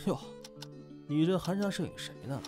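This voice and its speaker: A man's voice: a little high, normal speed, natural voice. A man playing a laid-back, teasing young man in an audio drama, drawling and playfully sardonic. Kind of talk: fan audio drama acting. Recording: music behind the voice.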